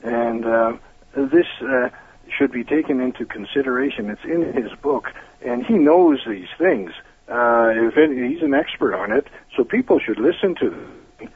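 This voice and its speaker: A man with a Toronto accent calling in to a radio show, talking earnestly with many "uh"s and pauses. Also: mid-range voice, animated, breathy edge, no room sound. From Toronto, Canada. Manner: earnest, halting, many fillers. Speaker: caller. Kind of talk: call-in phone chat. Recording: tinny phone line.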